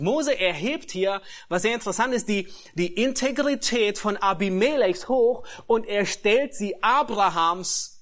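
Emphatic German preacher, slightly high voice. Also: male voice, a bit bright. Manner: emphatic, slows and rises on key phrases; repeats words while searching. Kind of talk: expository sermon.

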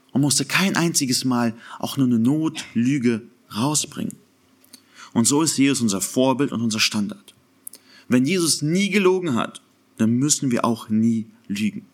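A man preaching a sermon in an earnest, emphatic way, slowing down to stress key words. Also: a little high, fairly bright tone.

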